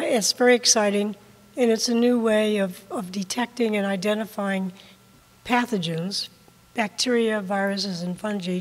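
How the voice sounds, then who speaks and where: An older woman giving a public science lecture at a podium, slightly hoarse from a cold, measured with occasional ums. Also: medium pitch. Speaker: guest lecturer. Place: large lecture room with audience. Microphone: podium mic. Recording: long hall reverb.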